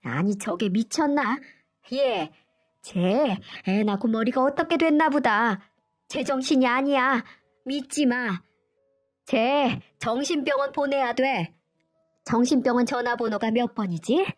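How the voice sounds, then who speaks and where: A cruel older mother-in-law, put on by a woman storyteller, spitting out harsh, scornful scolding. The voice sits a little high, with faint music under the reading. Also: measured pace. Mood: flustered.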